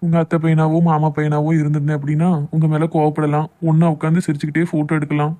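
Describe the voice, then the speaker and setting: A man's voice: fairly high pitch, completely flat delivery, fast talker, over loud music, lightly acted. A man playing a hurt, jealous young lover in a cartoon love drama, with a southern Tamil Nadu accent. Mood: hurt, sarcastic.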